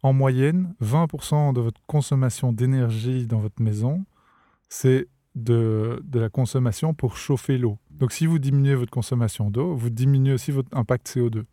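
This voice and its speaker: A Belgian man with a Belgian French accent and a mellow, dark tone, speaking at a middle pitch. He explains his business patiently in an interview, often doubling words as he gathers his thoughts. The sound is dry and close. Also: moderate pace, no echo. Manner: explanatory, repeats words while thinking. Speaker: startup founder guest. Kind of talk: podcast interview.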